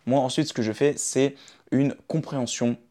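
A man's voice: medium pitch, fairly even intonation, normal speed, mellow. Young male vlogger, casual chatty delivery that keeps checking in with the listener, recorded on a phone indoors, mid-range voice. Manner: chatty, often checks in with "d'accord?" and "ok?". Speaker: vlogger sharing his daily routine. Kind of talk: casual direct-to-camera advice. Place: his room indoors. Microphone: phone camera.

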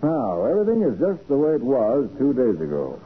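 An actor playing a shrewd, commanding American private detective in a 1940s radio drama, methodical and deliberate. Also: male voice, mid-range voice, huge pitch swings, breathy edge, narrow, tinny audio. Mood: stern, accusing. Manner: assured, deliberate, interrogating. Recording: scratchy band-limited 1940s radio recording.

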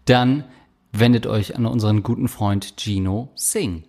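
A man's voice: on the low side, a little slow, a little mellow. A man in casual comedy podcast banter, trading crude, teasing jokes with his co-host. He sounds loose and playful as he introduces listener questions and pokes fun at the topic.

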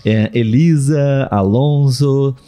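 A man with a Brazilian accent and a soft, mellow tone hosts a casual live show for learners. He talks in a didactic way, often rephrasing a word with a synonym or two as he goes. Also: medium pitch, slow. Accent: Brazilian Portuguese. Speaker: podcast host. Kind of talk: casual live podcast chat for language learners.

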